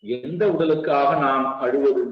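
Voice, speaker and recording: A man giving a spiritual discourse, speaking slowly and deliberately and repeating his rhetorical questions. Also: mid-range voice, fairly even intonation. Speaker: spiritual teacher. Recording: echoey, distant, dull lo-fi sound.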